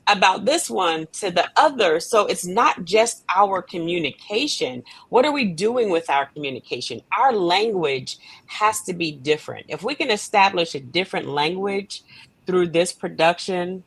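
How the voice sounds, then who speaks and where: A woman's voice: on the low side, expressive, normal speed, breathy edge, dry recording. A woman guest in a conversational interview, speaking earnestly and emphatically and often posing rhetorical questions. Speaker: guest from a stage play production.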